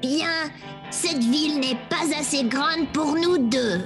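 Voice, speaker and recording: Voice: sits high, takes it slowly, over music. A performer voicing a young boy who plays a brave cowboy sheriff with gunslinger swagger in a French cartoon. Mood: bold, threatening.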